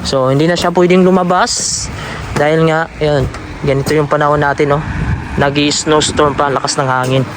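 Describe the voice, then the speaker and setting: A man's voice: a little high, fairly even intonation, normal speed. Chatty Filipino man vlogging on a phone. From Philippines. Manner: chatty, addressing viewers as countrymen. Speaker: vlogger and father. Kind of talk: casual vlog talk to viewers. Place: snowy outdoors, then indoors at home. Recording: noisy phone recording.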